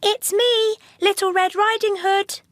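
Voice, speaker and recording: A woman voicing a timid little girl in a red hood, using a high, squeaky girlish voice for a storybook reading. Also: fairly even intonation, measured pace, fairly bright tone, no echo. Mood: curious.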